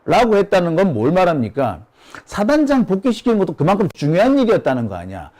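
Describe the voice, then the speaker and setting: A man's voice: sits high, huge pitch swings, fast, a little mellow. A man hosting a solo political commentary, speaking emphatically and asking rhetorical questions. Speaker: host of a political commentary channel.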